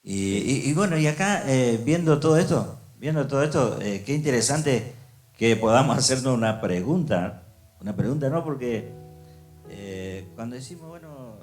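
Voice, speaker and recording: An older man leads a casual Christian discussion, speaking slowly and reflectively with many hesitant pauses. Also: medium pitch, lively intonation, a little mellow. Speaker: discussion leader. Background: guitar music.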